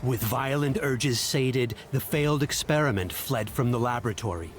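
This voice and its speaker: Against a noisy background, a man tells a dark fantasy game tale as a grave storyteller, solemn, dramatic and measured. His voice is medium in pitch, and the performance is lightly acted.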